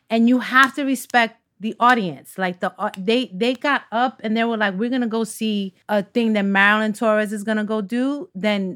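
Lively in intonation, a woman talks at a moderate pace in a very clean recording with a silent background and a dry, close sound with no echo. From New York, the Bronx, Puerto Rican family. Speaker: actor. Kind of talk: interview. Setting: outdoors. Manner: animated.

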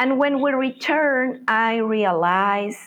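This woman speaks at a very slow pace. Her intonation is lively. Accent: Spanish. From Chile, Valparaiso. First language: Spanish. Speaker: quilter and quilting teacher. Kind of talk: interview. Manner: hesitant, many fillers.

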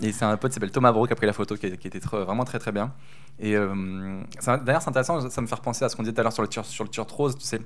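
A man with a medium pitch speaks very fast, his intonation fairly even. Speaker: comedian and podcast host. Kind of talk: casual chat.

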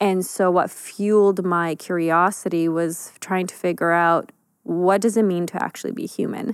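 A woman's medium-pitched voice, a plain, everyday voice at a moderate pace, on a very clean recording with a silent background. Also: fairly even intonation. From Bosnia, then Serbia, then Canada. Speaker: psychotherapist and author. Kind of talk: casual chat. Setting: studio.

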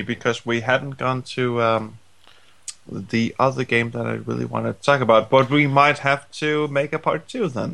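Speech with a Danish accent comes at a moderate pace with fairly even intonation. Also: man. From Denmark. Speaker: gaming podcaster. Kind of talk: casual chat.

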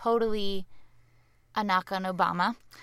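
A woman's fairly even intonation comes through on a very clean recording with a silent background. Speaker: co-host, host's wife. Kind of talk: casual chat.

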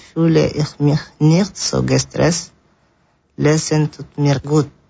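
A man speaks very slowly in a somewhat breathy, fairly high voice. His intonation stays fairly even. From Eritrea. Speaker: refugee language learner. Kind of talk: scripted personal account.

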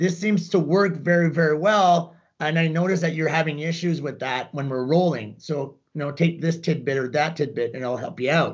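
A man with a Canadian accent, an ordinary speaking voice, fairly high-pitched, with ordinary pitch variation, at a moderate pace with hardly any pauses. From Canada. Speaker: jiu-jitsu academy owner. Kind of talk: casual chat. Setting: video call.

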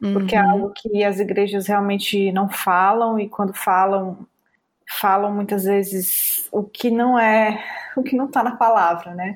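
An unremarkable speaking voice moves at a fairly slow pace in a very clean recording with a silent background. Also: woman. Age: 40s. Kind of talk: interview.

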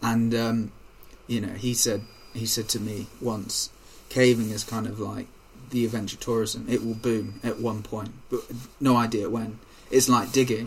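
A man talks at a medium pitch and a moderate pace, somewhat breathy and with monotone, flat intonation. He leaves long, frequent pauses. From southern England. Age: 20s. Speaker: caving instructor. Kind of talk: interview. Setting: club reading room.

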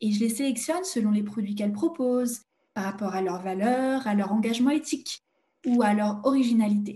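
A woman with a fairly high pitch and a dark, mellow tone talks at a moderate pace with ordinary pitch variation. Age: 20s. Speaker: fashion history content creator. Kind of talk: interview.

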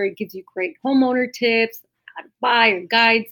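Talking at a fairly quick pace, a woman has an ordinary speaking voice and a fairly high pitch. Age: 40s. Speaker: real estate agent. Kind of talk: interview.

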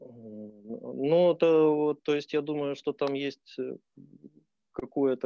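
A man speaks at a very slow pace. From Ukraine, Donetsk. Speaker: cybersecurity specialist and activist. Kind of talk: interview. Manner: halting, many filler words.

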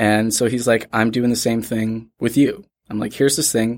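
At a moderate pace, a man uses a normal speaking voice with a medium pitch and fairly even intonation. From Michigan, Detroit area. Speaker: musician. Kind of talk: interview. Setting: studio.

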